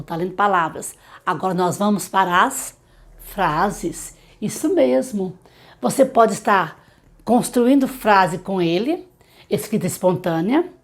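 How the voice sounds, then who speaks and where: Brazilian woman teacher, middle-aged, medium pitch, talks straight to mothers, slows to sound out words. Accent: Brazilian Portuguese. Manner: warm direct advice to mothers, slow syllable-by-syllable demonstrations. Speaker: literacy teacher. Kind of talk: tutorial talking to parents.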